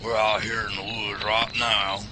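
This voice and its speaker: An actor playing a gruff, bossy old Southern man, a hard-of-hearing veteran, with a folksy rural Southern US drawl in a radio drama. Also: lowish voice, little pitch movement, normal speed, noisy background, natural voice. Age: older. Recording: loud night crickets behind.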